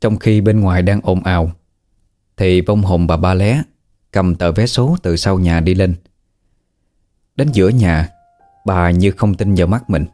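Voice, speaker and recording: A man with a Southern Vietnamese accent narrating a ghost story in a steady, measured way. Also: deep voice. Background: faint background music.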